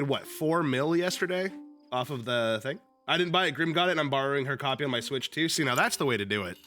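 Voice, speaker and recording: This young man sounds sniffly and still slightly ill as he streams from home with his dog, reading a book aloud and chatting. His mid-range voice is bright and forceful. He jokes loosely, swears a lot, and fills his talk with plenty of fillers.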